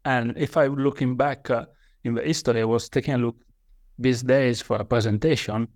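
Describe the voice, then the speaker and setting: A man's voice: mid-range voice, steady tone, moderate pace, a little mellow, no room sound, clean studio sound. A man from Italy with an Italian accent, speaking English as a guest on a podcast interview, hesitant with many fillers and restarts. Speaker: guest author.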